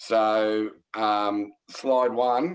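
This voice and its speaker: This man has a strong Australian accent. His intonation stays fairly even. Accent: broad Australian. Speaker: insurance executive. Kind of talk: business presentation. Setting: video call. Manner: slow.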